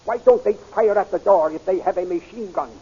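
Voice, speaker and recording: A man's voice: high voice, brisk, dark tone, husky. An actor playing a grave, fatherly older scientist with formal, stilted phrasing in a 1930s radio serial. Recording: muffled 1930s radio recording.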